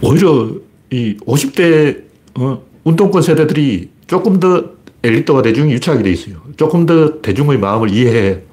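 Blunt, animated male commentator. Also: mid-range voice. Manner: blunt, colloquial, argumentative with rhetorical questions. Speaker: political commentator. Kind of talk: solo commentary broadcast.

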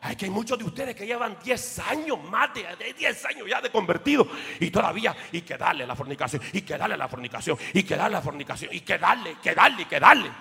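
A male pastor preaching a fiery sermon, shifting from loud shouts to quiet asides aimed at the congregation. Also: sits high, expressive, fairly quick, vocal fry, in a large hall. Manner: swings between shouting and near-whispered asides, calls out to the congregation. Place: church.

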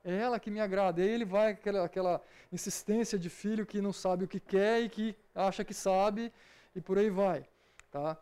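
A man's voice: high-pitched, fairly even intonation, moderate pace, warm tone, clean tone. A man with a Brazilian Portuguese accent, leading an informal Bible study lesson in a conversational way and often checking in with his listeners. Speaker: Bible teacher.

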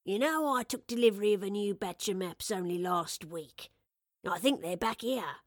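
A woman's voice: mid-range voice, expressive, normal speed, no room sound. Elderly male shopkeeper, played by a woman, storybook. Fond, playful, old-fashioned grumbler. Dry recording. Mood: fond, teasing. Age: older. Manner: old-fashioned British turns of phrase, fond and teasing. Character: kindly elderly male map-shop keeper, playful and grumbling.

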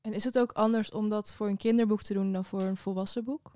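A woman asking interview questions in a clear, direct way. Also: mid-range voice, fairly even intonation, fast talker, dark tone, no echo.

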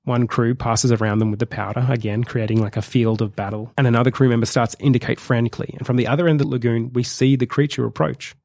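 A man narrates a film pitch as a vivid, measured story. His voice is gravelly at a middle pitch, and the recording is dry and close. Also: steady tone, a little mellow, dry recording. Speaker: podcast host.

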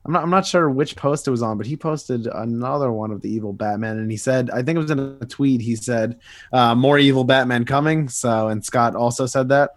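A man's voice: mid-range voice, a little fast, dry recording. Hesitant male podcast co-host. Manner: hesitant, with frequent "uh" fillers and stuttered restarts. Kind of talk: casual chat.

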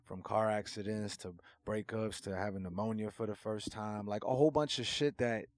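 A man whose first language is Portuguese, a guest rapper talking in a casual podcast chat, animated and slangy with emphatic swearing. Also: lowish voice, moderate pace, dry recording.

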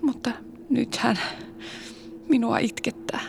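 A woman's voice: on the high side, steady tone, vocal fry. A woman playing a grieving, fearful follower of Jesus, anguished and often whispering.

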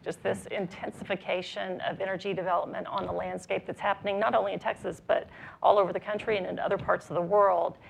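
A woman on a panel, speaking with a scratchy voice in a measured, explanatory way with frequent ums. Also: mid-range voice, level tone, vocal fry. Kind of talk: panel discussion. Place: conference stage.

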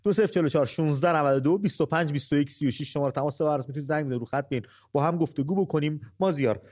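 A man's voice: a little high, a little mellow. Earnest Persian-speaking male podcast host. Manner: earnest, rhetorical questioning. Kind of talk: live call-in podcast chat.

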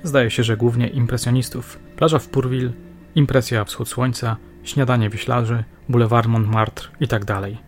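Brief: male audiobook narrator for a crime novel, steady and measured. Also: medium pitch, soft background music. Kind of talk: scripted narration.

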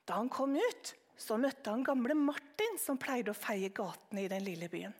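A woman reads a children's story aloud with calm, even narration. Her voice sits high.

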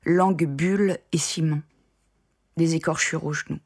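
A woman narrating her own poetry in a measured, lyrical spoken-word delivery. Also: low voice, fairly even intonation, darkish tone. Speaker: poet narrator.

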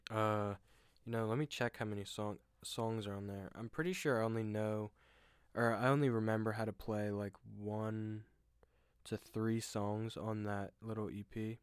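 Deep-voiced young man, rambling casually. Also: fairly even intonation, moderate pace, clean tone, no echo, studio quality. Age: young adult. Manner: rambling, self-deprecating, many fillers and restarts. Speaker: podcast host. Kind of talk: casual solo monologue. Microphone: desk microphone at home.

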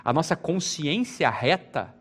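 A man's voice: on the high side, expressive, measured pace, a bit bright. A Brazilian man giving an informal spoken lecture, emphatic and repetitive, often checking with his listeners through rhetorical questions. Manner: repeats phrases, restarts. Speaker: teacher.

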